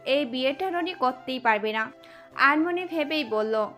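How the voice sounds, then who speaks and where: A woman's voice: sits high, animated, a little slow, sharp tone. A woman reading a scripted dramatic story as the narrator of an audio drama. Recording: music under the voice.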